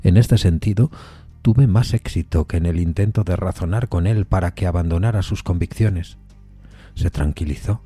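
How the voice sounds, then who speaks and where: A man narrating a literary suspense story in a measured, solemn manner. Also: deep voice, warm tone, slightly rough, faint music behind.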